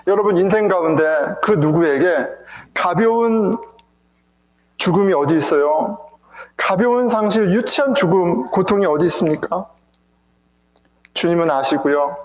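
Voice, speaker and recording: Emotional preacher guy, high voice, big echoey church. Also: measured pace, long pauses. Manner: emotional, rhetorical, addresses the congregation. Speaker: pastor. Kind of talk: sermon. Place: church sanctuary.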